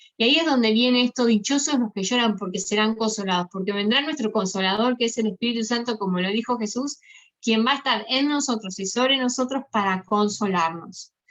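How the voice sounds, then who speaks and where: A plain, everyday voice at a fairly quick pace, ordinary pitch variation and hardly any pauses. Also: woman, fairly high pitch for a woman. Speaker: youth group preacher. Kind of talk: sermon.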